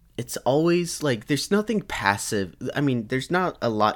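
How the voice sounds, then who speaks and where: A man in a plain, everyday voice, fairly slow with lively intonation, in a very clean recording with a silent background. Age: 20s. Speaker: podcast host and film student. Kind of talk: solo podcast monologue. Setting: recording at parents' home. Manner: casual with many fillers.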